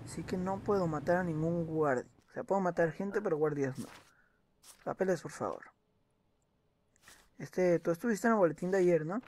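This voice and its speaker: A man's voice: a little high, moderate pace, long pauses, darkish tone, slight background noise. A young man, commenting on a game as he plays, muttering and reading documents aloud with joking asides. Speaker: gaming video host. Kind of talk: gameplay commentary.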